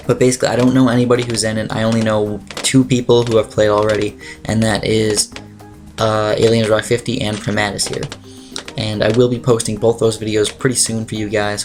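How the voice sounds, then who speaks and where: Rambling over his gameplay, a teenage YouTuber speaks in a raspy, dry, lowish voice, filling space with lots of fillers and throat-clearing in a casual chat.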